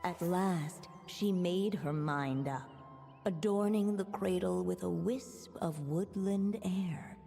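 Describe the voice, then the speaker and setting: A woman voicing a poised, mysterious storybook narrator in a video game, with a measured, hushed delivery. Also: fairly low pitch, vocal fry, faint music behind. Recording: long reverb.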